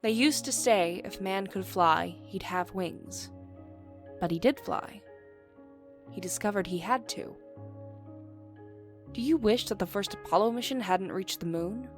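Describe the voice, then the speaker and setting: A woman performing a rousing male starship captain's speech as a theatrical dramatic reading with deliberate pauses. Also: medium pitch, faint music behind, close to an everyday voice. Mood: deliberate, persuasive.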